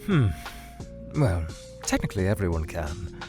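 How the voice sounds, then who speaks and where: A man playing a weary, scholarly monster scientist trapped in a void, speaking in a measured, halting, brooding way that trails off, in a fan audio drama. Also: sits low, very animated, music in the background. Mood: puzzled, polite. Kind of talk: fan audio drama, in-character answers to questions.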